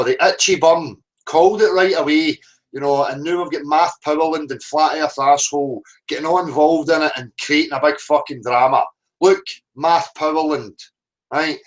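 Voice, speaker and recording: A man's voice: a little high, rough recording. A man with a Scottish accent delivering an impassioned, confrontational unscripted rant as a livestream host, blunt, insistent and heavily sweary. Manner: confrontational, insistent, tagging points with "right?".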